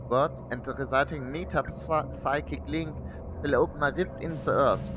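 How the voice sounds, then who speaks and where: A man's voice: medium pitch, close to an everyday voice. A man voicing a solemn, pompous German occult official with an exaggerated German accent, reading a sinister report in a game.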